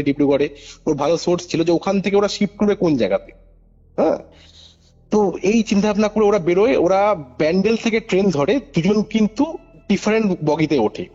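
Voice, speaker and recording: A caller with a high voice that's a little mellow and slightly rough shares a paranormal experience. It's an animated, informal telling, emphatic and repetitive, with frequent checks that the listener understands, captured as a muffled phone call over music.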